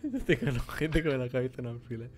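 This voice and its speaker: Casual let's-play chatter comes from a young streamer with a Spain Spanish accent who swears, jokes crudely, and laughs easily through a horror game. He speaks fairly quickly at a medium pitch with big swings up and down.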